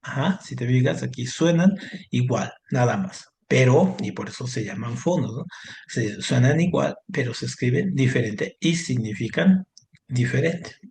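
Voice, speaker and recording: A man's voice: medium pitch, expressive, normal speed, vocal fry, darkish tone, a little hiss or hum. A man teaching a class, explaining patiently and checking in with the students. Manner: explanatory, frequent tag questions and fillers. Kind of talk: online class lesson.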